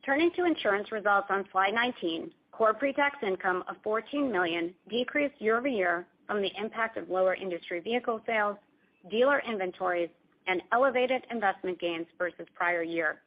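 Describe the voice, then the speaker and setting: A woman company executive reading a scripted earnings call presentation in a formal, measured corporate manner. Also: medium pitch. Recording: dull, band-limited conference call audio.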